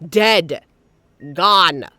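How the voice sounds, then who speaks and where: A woman's voice: lowish voice, extremely slow, sharp tone, no room sound, heavily acted. A woman playing a fiercely protective secret agent in an emotional, emphatic dramatic audio roleplay. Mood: angry, scolding. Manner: emotional, scolding, emphatic, swearing. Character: normally suave female secret agent, fiercely protective, angry and anguished. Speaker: voice actor in a scripted audio roleplay.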